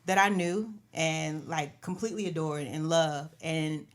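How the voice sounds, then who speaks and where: A woman co-hosting a casual chat podcast, an animated storyteller who laughs between lines. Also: sits low, a little slow, heavy background noise. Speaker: podcast co-host.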